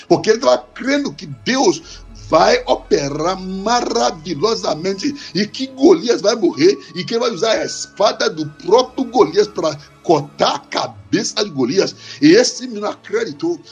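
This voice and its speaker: High-voiced impassioned preacher. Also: male voice, vocal fry, darkish tone, muffled recording. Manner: impassioned preaching, with repeated chant-like phrases. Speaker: pastor. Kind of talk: sermon.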